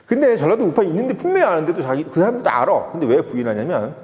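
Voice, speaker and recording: A man's voice: fairly high pitch, sing-song, very fast, darkish tone. Emphatic man lecturing in a reverberant room. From Seoul. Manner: emphatic, lecturing with rhetorical questions. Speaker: political commentator. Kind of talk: opinion monologue.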